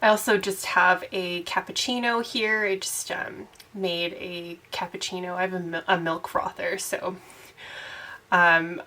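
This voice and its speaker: A young woman hosts her own channel in a relaxed, rambling chat, her voice congested from a cold. She talks a little lower than most women and laughs easily between thoughts. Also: a little slow. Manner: chatty, rambling, laughs often. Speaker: tarot channel host. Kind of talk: casual chat to camera.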